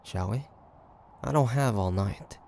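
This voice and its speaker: A man playing a cocky, stubborn demon hunter of the 1850s in a dramatic audio roleplay, theatrical and halting. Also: lowish voice, vocal fry, dark tone, slight background noise. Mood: taunting, smug. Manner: theatrical, taunting, halting with sighs and pauses.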